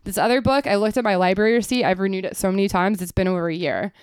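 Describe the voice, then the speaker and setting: A woman's voice: medium pitch, very fast, clear, resonant tone, dry recording, studio quality. A woman, co-hosting a casual podcast chat and telling long neighborhood stories peppered with "like" and the odd swear. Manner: chatty storyteller, heavy use of "like", swears casually. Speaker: podcast co-host. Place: apartment in Brooklyn.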